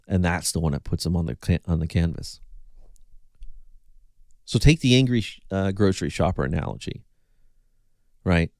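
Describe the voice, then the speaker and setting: A man's voice: low voice, lively intonation, moderate pace, long pauses, a little mellow, dry recording, studio quality. A man working as a recovery coach, explaining an analogy to viewers and acting out the quoted reactions as he tells it.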